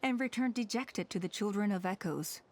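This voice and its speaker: A woman playing a composed tribal elder in a fantasy game, measured and thoughtful. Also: mid-range voice, a little mellow, soft background music, natural voice. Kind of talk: video game dialogue acting.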